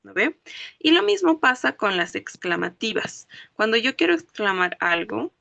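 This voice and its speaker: Woman language teacher, bright tone, patient step-by-step explaining. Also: on the high side, very animated, vocal fry, no room sound. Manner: explains slowly, checks understanding with "¿ok?" and "¿no ve?". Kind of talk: classroom lecture.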